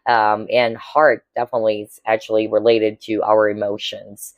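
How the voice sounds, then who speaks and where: A woman with a hoarse, cracking voice giving a casual tarot reading to viewers, chatty and often checking in with her listeners. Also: rumbling low, no room sound. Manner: chatty, keeps checking in with "all right?" and "okay?". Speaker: tarot reader.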